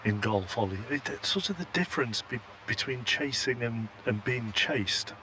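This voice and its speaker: A man's voice: medium pitch, lively intonation, normal speed, pushed and bright. A man working as a live golf commentator in a broadcast style. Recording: faint background noise and hum.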